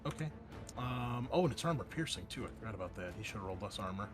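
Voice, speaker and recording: A man's voice: lowish voice, lively intonation, fast. A man running a tabletop roleplaying game as game master, narrating and explaining rules in an encouraging, conversational way. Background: music under the voice.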